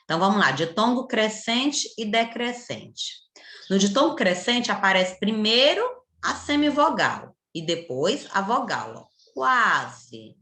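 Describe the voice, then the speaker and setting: Patient Brazilian teacher woman, lively pitch. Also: unhurried. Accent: Brazilian Portuguese. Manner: patient, repetitive, coaxing with tag questions. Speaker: primary school teacher. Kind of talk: recorded video lesson. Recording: echoey room.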